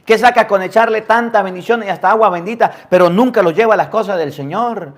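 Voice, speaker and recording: Man, priest, sermon, high voice, rhetorical questions, sudden quiet drops. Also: fast. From Venezuela. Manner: emphatic preaching with rhetorical questions and sudden drops to near-whispers.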